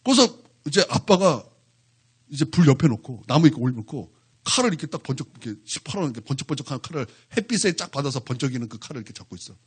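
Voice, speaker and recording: A man's voice: mid-range voice, sing-song, racing, husky. A male pastor preaching a sermon in church, talking animatedly and keeping the congregation engaged with one question after another.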